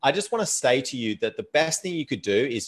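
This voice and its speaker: Against a quiet background, the speaker's intonation is lively. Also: man. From Australia. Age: 30s. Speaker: online business coach. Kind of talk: interview.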